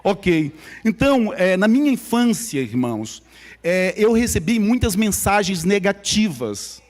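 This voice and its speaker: High-voiced Brazilian man from Maranhão. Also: very animated, a little slow, a little mellow. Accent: Maranhão Brazilian Portuguese. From São Luís, Maranhão, Brazil. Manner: conversational storyteller, speaks directly to the audience. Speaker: guest speaker at church. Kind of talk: personal testimony to a congregation. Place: church hall with a congregation.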